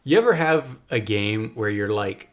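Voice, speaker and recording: A man's voice: on the low side, expressive, moderate pace. A man hosting a casual gaming podcast, talking in a rambling, storytelling way with trailing asides. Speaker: podcast host.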